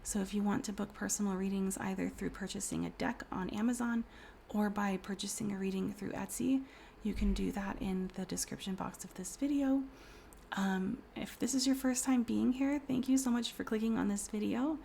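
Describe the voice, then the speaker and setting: A woman in her thirties doing a casual tarot reading, hoarse from a cold, speaking softly and often in a whisper with many fillers. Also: medium pitch, fairly even intonation, moderate pace, slight background noise. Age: 30s. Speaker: tarot reader.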